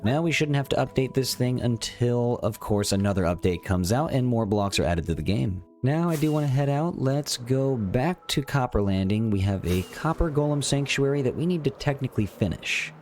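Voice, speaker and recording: A man's voice: mid-range voice, expressive, moderate pace, hardly any pauses, a little mellow, a little hiss or hum. A man with a slight cold giving casual, chatty gameplay commentary as host of a gaming series, thinking aloud as he goes. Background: music.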